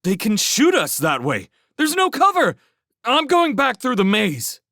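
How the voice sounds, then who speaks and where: A man voicing a panicked, combative soldier scout in frantic shouts, in a dramatic audiobook style. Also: huge pitch swings, unhurried, dry recording, clean studio sound, exaggerated voice. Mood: angry panic. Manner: frantic high-pitched shouting. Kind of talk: dramatic audiobook character acting.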